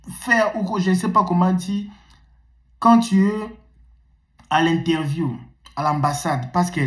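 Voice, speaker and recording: A man's voice: fairly high pitch, echoey room. A man giving emphatic, repetitive visa interview advice straight to the viewer. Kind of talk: animated advice vlog. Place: in the United States.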